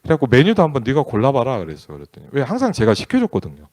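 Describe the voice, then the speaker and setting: A man's voice: mid-range voice, wildly swooping pitch, rapid-fire, darkish tone, dry recording. A male pastor preaching in a candid, conversational storytelling way, acting out bits of dialogue as he tells a family story. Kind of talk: storytelling sermon.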